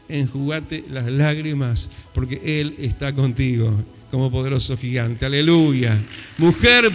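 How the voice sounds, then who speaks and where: Lively Uruguayan pastor preaching. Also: male voice, fairly high pitch, in a large hall. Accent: Rioplatense Spanish. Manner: lively, conversational preaching with rising emphatic peaks. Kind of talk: sermon. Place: church.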